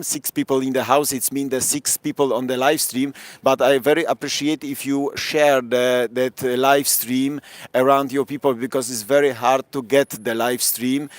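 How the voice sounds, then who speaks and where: A man's voice: mid-range voice, dry recording. Man, Polish accent, native Polish speaker, tour guide, live-stream chat, rambling with fillers, outdoors at night, phone held at arm's length. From Poland. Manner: rambling, many fillers, halting non-native English. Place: outdoors on a city square at night.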